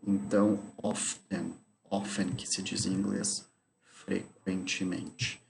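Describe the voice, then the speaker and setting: A man teaching a lesson, explaining slowly and deliberately as he works through written examples. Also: low voice, flat delivery, creaky, a little hiss or hum. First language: Portuguese. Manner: slow, deliberate, spelling out examples as he types. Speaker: English teacher. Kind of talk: screen-recorded lesson explanation.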